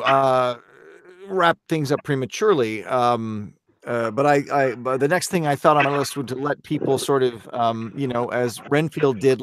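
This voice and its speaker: A man's voice: mid-range voice, fairly bright tone, no room sound. A man hosting a podcast chat, rambling loosely and filling gaps with uh and um. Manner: rambling, lots of filler and restarts. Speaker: podcast host. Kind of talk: casual group chat.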